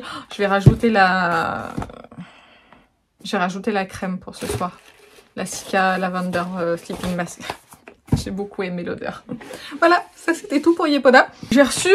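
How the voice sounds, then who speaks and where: A woman's voice: mid-range voice, background noise. A woman with a French accent chatting casually in a home beauty vlog, laughing often and full of fillers. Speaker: beauty vlogger. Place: home, indoors.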